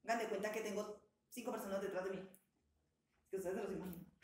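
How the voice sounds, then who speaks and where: A woman's voice: mid-range voice, steady tone, brisk, darkish tone. A woman teaching an English lesson. She is patient and encouraging and stretches out words to model their pronunciation. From Colombia. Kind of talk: bilingual language lesson. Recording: echoey room sound.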